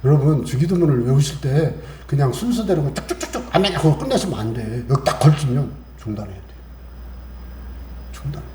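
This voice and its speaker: A man's voice: medium pitch, lively intonation, brisk, mellow. A man preaching a Sunday sermon in a chatty way, quoting scripture and acting out small exchanges. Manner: conversational preaching, acts out little exchanges and quotes scripture. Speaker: pastor. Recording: echoey church room, faint hiss.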